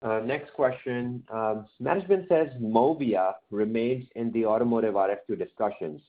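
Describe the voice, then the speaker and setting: A man's voice: mid-range voice, normal speed. A man moderating an investor conference call, reading submitted questions aloud. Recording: thin, phone-like conference line.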